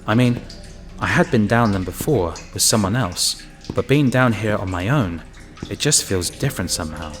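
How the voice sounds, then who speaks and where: A man playing an uneasy utility inspector alone in the sewers, narrating an audio drama and musing to himself. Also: fairly low pitch. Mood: uneasy, wary. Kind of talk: first-person narrated audio drama with muttered asides.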